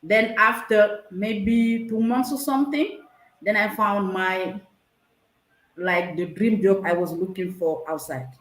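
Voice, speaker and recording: A woman's voice: medium pitch, steady tone, slow. Woman, echoey room. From Senegal. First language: French. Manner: hesitant and searching for words, many restarts. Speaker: guest. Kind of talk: conversational interview over a live stream.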